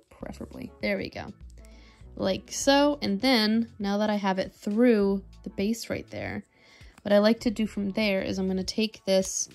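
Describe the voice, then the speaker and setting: A young woman with a hoarse, croupy voice from illness, chatting casually and a bit self-deprecatingly while she demonstrates a knitting project step by step. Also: medium pitch, a little mellow. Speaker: knitting tutorial host. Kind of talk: casual step-by-step craft demo.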